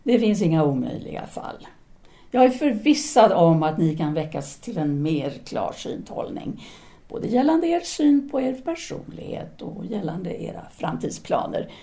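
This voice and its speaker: A woman's voice: lowish voice, sing-song, warm tone. A woman acting in an audio drama as a self-assured female philosophy teacher in 1930s Paris, speaking in an articulate, formal, didactic way. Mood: lecturing, firm.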